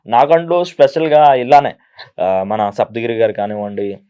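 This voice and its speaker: Mimicry guy chatting in an interview, quiet and hesitant, lots of ums, mid-pitched voice. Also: fairly even intonation, moderate pace, smooth, dull audio. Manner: soft-spoken, hesitant, many fillers, laughs often. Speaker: mimicry artist, guest. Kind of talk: casual interview chat.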